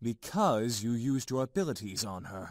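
A man at a medium pitch uses a put-on character voice with lively intonation on a very clean recording with a silent background. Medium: audio drama. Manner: calm, stern.

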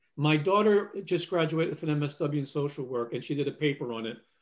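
A man's moderately paced speech, with normal pitch movement, comes through in a quiet setting. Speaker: interview show host. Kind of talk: interview. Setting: video call. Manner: hesitant, many fillers. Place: home room. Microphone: video call.

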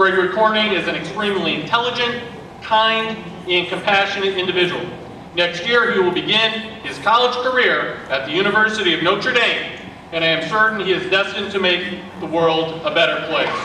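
Over noticeable background noise and audible room echo, a man talks in a raised, projected voice at a fairly quick pace with ordinary pitch variation. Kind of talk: formal ceremony introduction. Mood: warm, proud. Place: hall.

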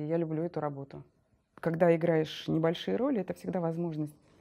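A woman's fairly low, dark and mellow voice against a quiet background. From Siberia, Russia (Irkutsk, Bratsk); Siberia, Russia. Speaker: actress. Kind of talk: interview monologue. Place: studio.

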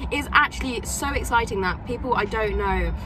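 Clear music plays in the background as a woman talks. Her pace is moderate, and the sound is dry with no echo. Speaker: vlogger. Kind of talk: casual vlog chat. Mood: cheerful, excited. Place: car. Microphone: phone near.

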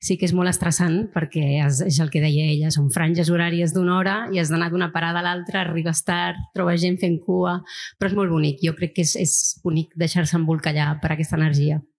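At a fairly quick pace, a woman speaks in a fairly low, monotone, flat voice at a very even loudness. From Catalonia. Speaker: novelist; guest. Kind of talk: panel talk at book event. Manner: halting. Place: hall. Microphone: handheld.

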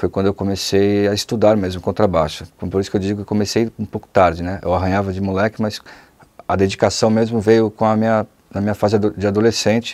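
A monotone, flat intonation marks this fairly quick-paced speech. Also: man, fairly low pitch for a man. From Brazil, Santos (São Paulo coast); São Paulo, Brazil. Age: 30s. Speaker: bassist; interviewee. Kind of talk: interview testimony. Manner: casual, hesitant with repetitions. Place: studio.

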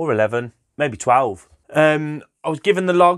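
A man talks with ordinary pitch variation. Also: quiet background. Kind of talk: casual vlog chat. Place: workshop. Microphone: lapel.

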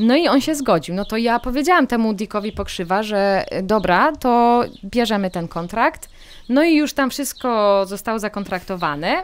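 A woman at a moderate pace, her intonation lively. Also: fairly high pitch for a woman. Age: 40s. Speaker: astrobiologist and neuroscientist; interviewee. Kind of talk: interview. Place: studio. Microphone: studio mic.

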